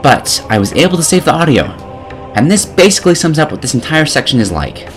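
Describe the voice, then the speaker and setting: A man's voice: fairly high pitch, sing-song, fairly quick, soft background music. A man narrating a scripted comedic video game review in a sarcastic, mock-dramatic manner.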